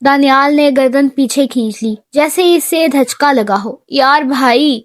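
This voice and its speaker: High-voiced woman narrating a novel. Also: dry recording, studio quality. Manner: steady storytelling read, voicing every character herself. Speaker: audiobook narrator.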